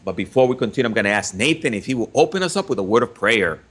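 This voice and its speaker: A man's voice: mid-range voice, expressive, very fast, a bit bright. A man from the Dominican Republic hosting a Christian radio talk show, upbeat and chatty with frequent fillers.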